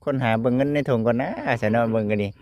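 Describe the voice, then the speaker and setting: A man with an Isan accent talks casually to his followers from a village outdoors. His voice sits at a middle pitch. He keeps calling out to his viewers as he goes. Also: fairly even intonation, rapid-fire, darkish tone. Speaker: vlogger.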